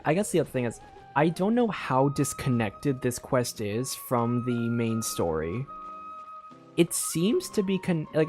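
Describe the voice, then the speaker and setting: A woman's voice: a bass voice, a little mellow. A woman giving casual gameplay commentary as a streamer, rambling and thinking aloud. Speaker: game streamer.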